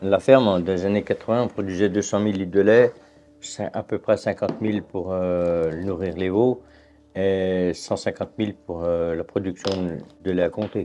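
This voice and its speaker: Music plays in the background as a man with a very deep, low pitch speaks at a moderate pace with fairly even intonation. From France, Jura. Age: 60s. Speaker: dairy farmer. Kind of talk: interview testimony. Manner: halting, many hesitations.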